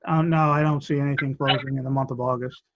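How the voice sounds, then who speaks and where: Hoarse man, flat steady voice. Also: medium pitch, muffled recording, slight background noise. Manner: clears his throat often, steady and measured. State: hoarse, losing his voice. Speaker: land bank staff member. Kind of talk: committee meeting discussion.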